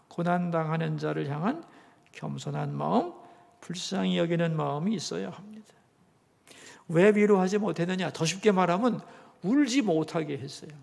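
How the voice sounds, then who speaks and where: A man's voice: fairly high pitch, gravelly, a little mellow, in a large hall. A middle-aged male pastor giving an earnest sermon, often asking the congregation questions. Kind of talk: sermon Bible lecture. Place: church sanctuary.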